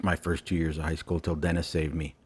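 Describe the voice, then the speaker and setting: A man's voice: extremely low pitch, little pitch movement, brisk, breathy edge. A man in his forties co-hosting a podcast, joking and teasing in casual banter. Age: 40s. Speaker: podcast co-host. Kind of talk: casual chat.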